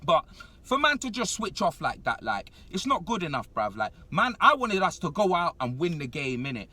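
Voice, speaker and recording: A young man, giving a comedic, slang-heavy rant as a football fan in an animated, exasperated manner. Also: on the high side, moderate pace, far from the mic.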